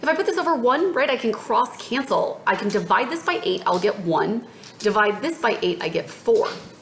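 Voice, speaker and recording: A high-pitched woman's voice swings very widely in pitch. Noticeable background noise is present. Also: moderate pace. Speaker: math tutor. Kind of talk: tutorial.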